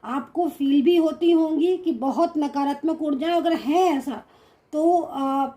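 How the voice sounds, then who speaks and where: A woman with an Indian accent giving a general tarot reading to her viewers, mixing English words into Hindi, with many pauses and reassuring asides. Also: high-pitched, dark tone. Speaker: tarot card reader.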